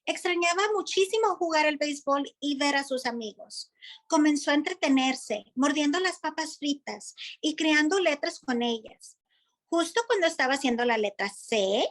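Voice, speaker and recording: A woman's voice: high voice, fairly bright tone. A woman reading a children's story aloud, as a narrator for young listeners. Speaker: Spanish translator-reader of a children's book.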